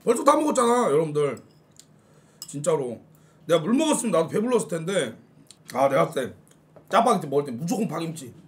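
A man's voice: fairly high pitch, very animated, a little fast, long pauses. A young man streaming an eating show, chatting casually to his viewers while talking with his mouth full. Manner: chatty, addresses viewers directly. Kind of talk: casual live-stream chat.

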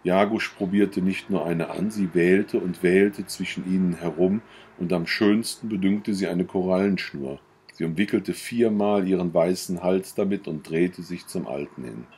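A man narrating a literary audiobook with a steady, unhurried reading. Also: low-pitched, husky. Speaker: audiobook reader.

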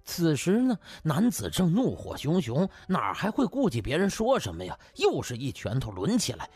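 A man narrating a comic audiobook in a theatrical, colloquial storyteller's manner with a husky voice. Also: fairly high pitch.

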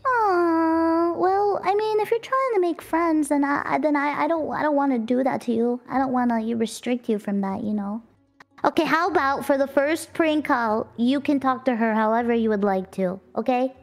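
A giggly, encouraging woman streamer co-hosting a show with excited casual banter. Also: high-pitched, moderate pace. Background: music.

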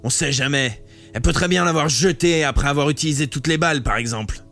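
A hostile teenage boy, as a reader puts him on, barks his lines in a loud, rough voice, slightly raised above the reader's usual pitch. He sounds blunt and distrustful throughout, in an audiobook reading. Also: fast, soft background music. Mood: suspicious. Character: aggressive suspicious teenage boy with a gun.

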